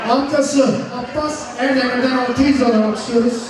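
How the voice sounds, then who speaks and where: Booming, high-pitched male wedding announcer, echoing hall. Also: steady tone, moderate pace. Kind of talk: live event announcing to guests. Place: large echoing wedding venue. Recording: echoey hall, distant, music and crowd. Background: music and a crowd of guests.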